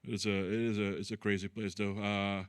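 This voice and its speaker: A Brazilian-born comedian, Portuguese his native tongue, works a comedy club stage with a dry stand-up set. His lowish voice moves at a moderate pace, clean and free of room sound. Deadpan crude punchlines come between frequent fillers.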